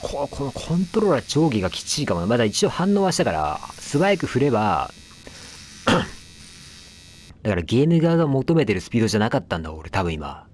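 A man's voice: mid-range voice, big pitch swings, fairly quick. A man giving casual let's play commentary, chatting to the game and its characters as he plays. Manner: chatty, talks back at the game, apologizes for noise.

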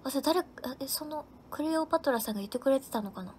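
A woman's voice: high voice, lively intonation, fast talker, a little mellow, slight background noise. A woman hosting a casual live stream, cheerfully reading out viewers' comments and thanking each of them by name. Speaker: livestream host.

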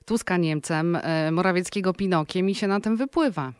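A woman's voice: on the low side, normal speed, smooth, no echo. A woman radio host asking pointed, challenging questions to a political guest. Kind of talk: studio interview questions.

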